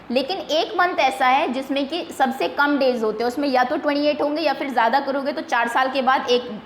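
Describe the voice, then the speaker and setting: High-voiced woman teaching a quiz. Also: roomy sound, a little hiss or hum. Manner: patient, repeats slowly, mixes English terms. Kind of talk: online quiz lesson for young pupils.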